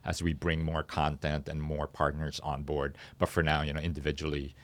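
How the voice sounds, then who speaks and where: Very deep-voiced man pitching his startup. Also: completely flat delivery, moderate pace. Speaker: interview guest, startup founder. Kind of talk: conversational business pitch. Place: studio.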